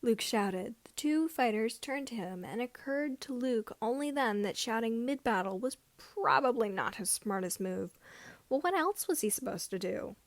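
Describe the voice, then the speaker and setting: A woman reading a story aloud as scripted narration, with somewhat halting phrasing. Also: fairly high pitch, animated, dry recording. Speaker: podfic reader.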